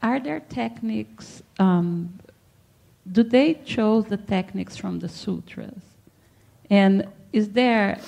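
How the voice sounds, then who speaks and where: A woman's voice: medium pitch, creaky, dark tone. A woman from the audience asking a question hesitantly, restarting and searching for words. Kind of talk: question from the floor. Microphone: handheld microphone.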